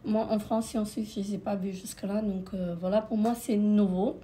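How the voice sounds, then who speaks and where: A woman vlogger talks through her holiday shopping at an even, middling pitch. She hesitates a lot, fills gaps with filler sounds and slips into soft asides. Packaging crinkles loudly close to the mic. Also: normal speed, a little hiss or hum. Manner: hesitant, many filler sounds, repeats "comme ceci". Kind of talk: casual holiday haul vlog. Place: indoors at a holiday rental near the beach.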